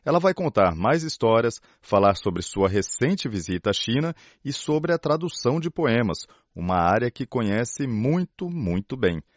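A man hosting a radio interview, asking questions calmly and in a measured way, then closing the segment. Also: mid-range voice, no room sound, dull audio. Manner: calm, measured, short prompts. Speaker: radio host.

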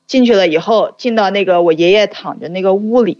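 A woman casually telling a childhood story, acting out the dialogue in quick bursts. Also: mid-range voice, a little mellow, dry recording, highs cut off.

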